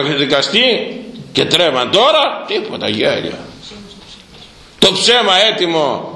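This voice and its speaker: A middle-aged priest delivering a sermon, dramatic and repetitive, his pitch swinging from high to low. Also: bright, forceful tone, reverberant, low-quality recording. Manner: dramatic, repeating words for emphasis, swinging pitch. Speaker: Orthodox priest.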